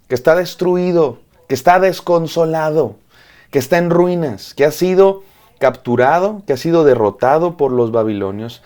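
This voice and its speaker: A man's voice: a little high, darkish tone. A man, a pastor, preaching a devotional sermon, repeating phrases in rhythmic lists and speaking straight to the listener.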